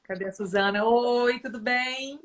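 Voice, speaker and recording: A woman's voice: a little high, unhurried, a little hiss or hum. A woman hosting a casual live stream, chatty and addressing viewers directly. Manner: chatty, fillers like né, talks to audience.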